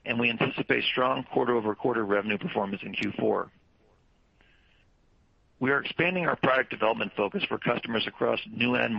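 Exec guy reading earnings call script, formal n measured, raspy voice, dull dry call audio. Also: on the low side, dry recording. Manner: formal, measured read-out delivery. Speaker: company executive presenting quarterly results.

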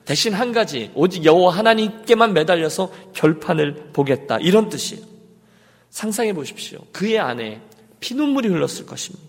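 A male pastor preaches with passion, his fairly high voice rough and gravelly. He swings from loud urging to quiet pleading, and his words ring out with a long echo in a church hall. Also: expressive, fairly quick. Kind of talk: sermon. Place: church sanctuary.

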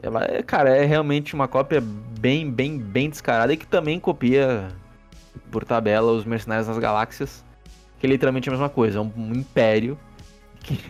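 Sarcastic Brazilian podcast host. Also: male voice, medium pitch, moderate pace. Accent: Brazilian Portuguese. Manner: sarcastic, profane, rambling with restarts. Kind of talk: casual podcast movie review. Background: faint background music.

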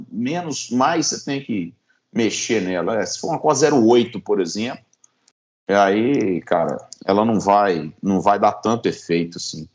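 A man talks casually and loosely, swearing now and then and breaking off to restart his sentences. His pitch swings a lot as he explains things. The recording sounds dull and lo-fi. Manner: animated, swearing, many restarts. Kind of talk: casual chat about guitars.

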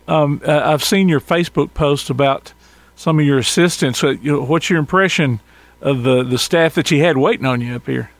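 A man's voice: a little high, moderate pace, no room sound. A man hosting a sports radio show, asking a guest questions in an informal, hesitant way with fillers. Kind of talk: interviewing a guest.

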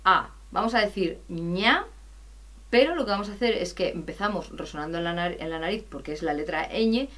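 Woman from teaching singing, chatty, bright tone, keeps asking if you got it. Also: lowish voice, lively intonation, brisk. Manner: chatty, explains step by step with frequent checks; sings loud sustained vowel demos. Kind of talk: podcast lesson on vocal technique.

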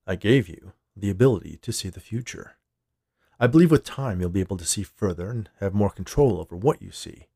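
Male narrator as menacing corporate boss, low gravelly voice, commanding, condescending, smug, close dry sound, story reading. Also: lively intonation, a little fast, mellow, no echo. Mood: smug, assured.

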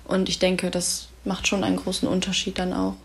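A woman in her early twenties from Germany, a volunteer talking calmly and thoughtfully in a casual podcast discussion. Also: fairly low pitch, a little fast, breathy edge. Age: 20s.

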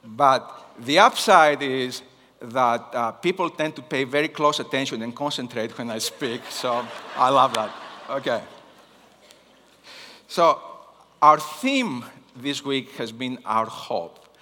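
Man, Greek accent, non-native speaker, sermon delivery, forceful bright tone, deliberate emphasis, long hall reverb. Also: mid-range voice. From Greece. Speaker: guest missions preacher. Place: large hall, speaking to a congregation.

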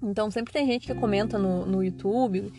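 A woman's voice: medium pitch, moderate pace, warm tone, soft background music. A Brazilian woman talking casually as a podcast host and teacher, rambling with many fillers and restarts. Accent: Brazilian Portuguese. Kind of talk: casual solo podcast chat.

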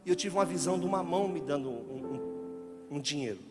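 A man with a Brazilian Portuguese accent preaching a sermon as a joking, animated story, acting out the dialogue as he goes. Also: on the high side, brisk. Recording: reverberant hall with music behind.

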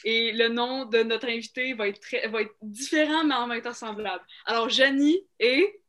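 Québécoise woman, slightly high voice. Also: normal speed, fairly bright tone. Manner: hesitant, many restarts and fillers, laughs easily. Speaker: podcast co-host. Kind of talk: casual podcast chat.

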